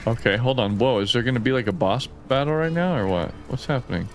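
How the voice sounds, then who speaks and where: A man doing casual live-stream commentary on game footage, reacting excitedly with bro-ish slang and swearing, like a frat bro. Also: mid-range voice, fast talker, slight background noise. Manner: animated reactions with frequent laughing and swearing.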